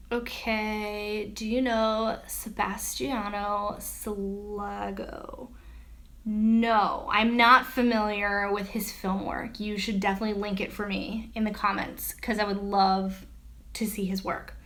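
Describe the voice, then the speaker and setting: A woman's voice: medium pitch, fairly bright tone. A young woman, a wedding photographer, talking casually through a live Q&A, full of "um" and "like" fillers, her voice a bit worn. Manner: chatty, many "um" and "like" fillers. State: losing her voice. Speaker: wedding photographer answering viewer questions.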